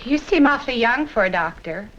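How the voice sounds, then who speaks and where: A woman's voice: fairly high pitch, animated, brisk, a bit bright, slight background noise. An actress playing a skeptical, tactless female patient with a hesitant yet pointed manner in a 1970s film. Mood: doubtful. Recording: muffled 1970s film soundtrack.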